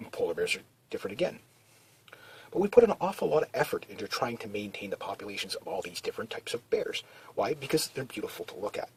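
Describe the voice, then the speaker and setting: A man's voice: on the low side, slight background noise, rough recording. A man talking in a rambling, casual monologue, full of restarts and fillers. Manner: meandering, many restarts and "you know" fillers. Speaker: video blogger.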